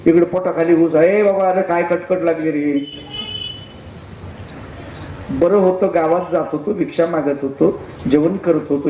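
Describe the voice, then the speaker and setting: A man's voice: high voice, lo-fi sound, a little hiss or hum. Man preaching a parable, echoey room. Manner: lively, acts out the voices in the story. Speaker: religious teacher telling a parable. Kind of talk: storytelling sermon.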